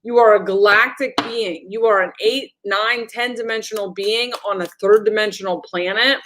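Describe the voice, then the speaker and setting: A woman's voice: medium pitch, fairly even intonation, normal speed, background noise. A woman giving a casual livestream energy update as a spiritual channeler. She rambles and swears bluntly while reading viewer comments. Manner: reads viewer comments aloud.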